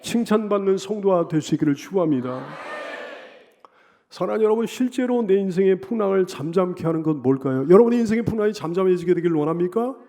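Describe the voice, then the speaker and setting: A man preaching a Sunday sermon in a high voice. He hammers home repeated phrases and rhetorical questions, swelling loud on the key lines and sinking low between them. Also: lively intonation, quick pace, a little hiss or hum. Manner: emphatic repetition and rhetorical questions. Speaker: pastor.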